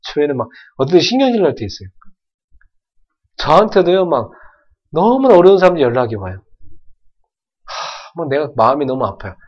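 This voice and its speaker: A man preaching as a pastor in a church, with a fairly high voice. He speaks earnestly and pushes to fervent, rising questions. The recording sounds muffled and lo-fi. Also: big pitch swings, fairly quick, pauses often, breathy edge. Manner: earnest, acts out prayers, rises to fervent exhortation. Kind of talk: sermon. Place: church sanctuary.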